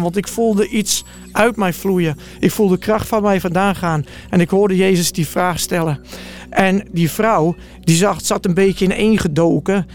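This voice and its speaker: A man telling a Bible story in the first person as an eyewitness, in a vivid and earnest way. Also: high voice.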